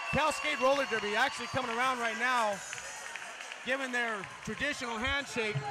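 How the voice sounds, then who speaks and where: Loud background noise runs behind a man speaking. He talks at a fairly quick pace, and the sound is dry with no echo. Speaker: roller derby commentator. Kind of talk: live sports commentary. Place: hall. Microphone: handheld.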